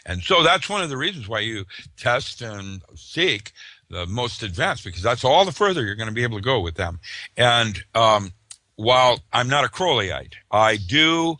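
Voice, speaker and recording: A man's voice: mid-range voice, bright, forceful tone, dry recording. An older man talking as an interview guest, rambling loosely with lots of "uh" fillers and restarts. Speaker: interview guest, author and physicist. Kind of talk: casual interview talk.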